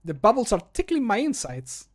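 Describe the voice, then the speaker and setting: A man's voice: sits high, wildly swooping pitch, normal speed, pitched above the performer's own voice. A man voicing a cheery, quirky ale-loving fantasy game character in a whimsical, sing-song manner. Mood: giddy, tickled. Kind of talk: fantasy video game voice lines.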